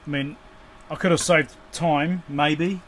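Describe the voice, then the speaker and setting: A man's voice: fairly high pitch, steady tone, slow pace, a bit bright, a little hiss or hum. A man giving an off-the-cuff, casual running commentary as he does hands-on work, with muttered asides. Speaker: electronics repair channel host. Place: indoor electronics workbench.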